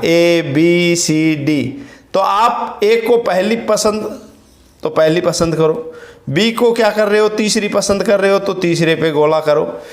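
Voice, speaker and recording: A man's voice: high voice, roomy sound. A male teacher giving an exam-prep lecture, repeating key words and quizzing his students with memory tricks.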